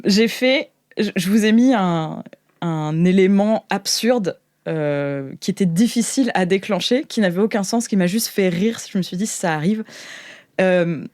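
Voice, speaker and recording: A woman running an improvised tabletop roleplaying game, telling the story to her players in animated, informal, slangy speech. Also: medium pitch. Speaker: game master.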